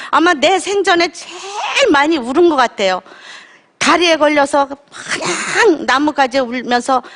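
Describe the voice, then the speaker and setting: A woman's voice: high-pitched, a bit bright, big-room sound. A woman giving an emotional, conversational lecture about her own life on stage. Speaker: lecture guest speaker. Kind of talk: emotional personal storytelling lecture. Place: lecture stage before an audience.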